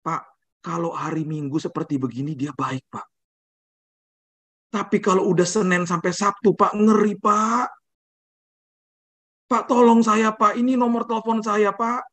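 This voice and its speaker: A man voicing a desperate, tearful male chauffeur who begs for help in a high, strained voice. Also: fairly even intonation, unhurried, long pauses, a bit bright. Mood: pleading. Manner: pleading, addresses the listener as "Pak" again and again.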